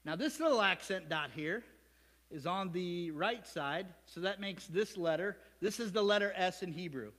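A male pastor with an American Midwest accent preaches in a church sanctuary, his voice pitched high for a man. He is animated, cracking jokes and asides to the congregation. The sound carries a long hall reverb. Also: moderate pace. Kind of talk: sermon.

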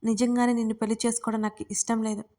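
A woman's voice: on the high side, little pitch movement, rapid-fire, mellow, lightly acted. A woman voicing a cold, defiant young woman who speaks harshly and firmly, in a storybook reading. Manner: harsh, firm.

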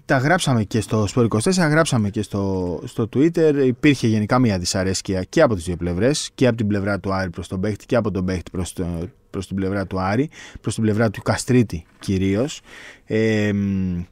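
A man's voice: fairly low pitch, a little mellow, no echo. Hesitant Greek-speaking sports journalist, man. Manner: hesitant, many fillers and restarts. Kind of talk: casual sports podcast chat.

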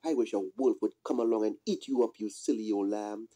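A puppeteer voicing a mischievous, excitable young shepherd boy with exaggerated delivery in an amateur puppet show. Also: mid-range voice, fairly quick, close to an everyday voice. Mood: bored, scheming. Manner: exaggerated, yelping when alarmed. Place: small indoor room, behind puppet curtain.

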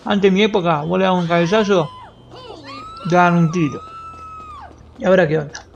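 A man's voice: high voice, fairly quick, creaky, lo-fi sound, a little hiss or hum. A young man with a Rioplatense Spanish accent, streaming a roleplay game in a brash, joking, swear-heavy manner. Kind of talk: casual gameplay roleplay stream.

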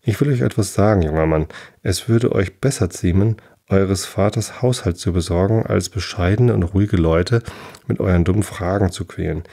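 Man voicing a sly old fairy shoemaker from a storybook, dismissive, dark rough tone. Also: low voice, moderate pace, heavily acted. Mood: scornful. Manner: curt, dismissive, slightly raised voice. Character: tiny old male fairy cobbler, sly and haughty.

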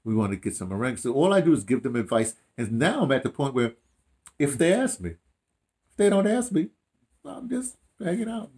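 A man's voice: a little high, sing-song, fairly quick, mellow. Older American man, rambling storyteller. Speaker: interviewee, audio dramatist. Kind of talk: casual chat, storytelling. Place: small room indoors, seated.

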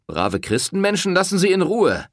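A man's voice: high voice, wildly swooping pitch, normal speed, dry recording, clean studio sound, voice pushed up, heavily acted. A man voicing a mocking Sicilian innkeeper in an audiobook, taunting and sneering.

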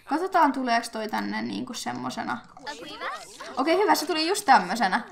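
A young woman from Finland chatting casually as she plays a life-simulation game, thinking aloud with fillers and quick bursts of excitement. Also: on the high side, gravelly, a crowd in the background. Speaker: gaming YouTuber. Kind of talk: casual let's-play commentary.

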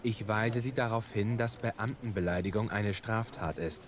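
A man playing a calm, firm police chief. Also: on the low side, background noise, natural voice. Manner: measured, authoritative. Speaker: police commissioner.

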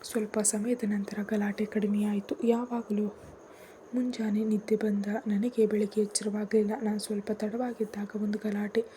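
A woman reading a first-person romance story in a soft, half-whispered, intimate way. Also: medium pitch, little pitch movement, moderate pace, slight background noise.

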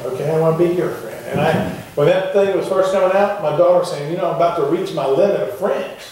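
A middle-aged man delivers a sermon in a chatty, questioning manner, his voice a touch higher than most men's. He is recorded from a distance at the back of a wooden church sanctuary. The room rings with heavy echo. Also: fast talker, a little mellow, a little hiss or hum. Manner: conversational, asks the congregation questions. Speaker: pastor. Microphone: far camera at the back of the church. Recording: echoey church heard from far off.

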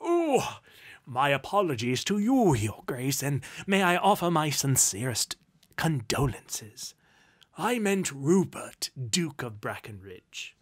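A man voicing a robust, obsequious gentleman, flustered, wordy and deferential, in a storybook reading. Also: medium pitch, sing-song, slow pace, breathy edge, exaggerated voice. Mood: apologetic.

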